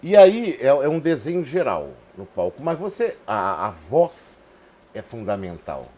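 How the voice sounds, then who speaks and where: A man's voice: medium pitch, a little slow. A middle-aged man, an actor and theatre author, talking as a guest and acting out the people in his stories. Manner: lively storyteller, acts out voices and quotes. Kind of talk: animated talk show conversation.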